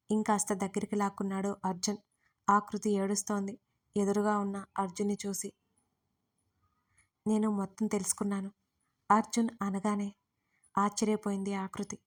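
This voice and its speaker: A woman writer narrating her own romance audio story in a steady, even storytelling manner. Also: mid-range voice.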